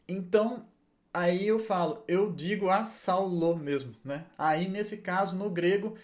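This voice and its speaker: Slow, patient man teaching. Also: high voice. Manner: patient, explains step by step, frequent "né?" and "tá?" checks. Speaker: Hebrew and Greek teacher. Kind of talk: explanatory lesson.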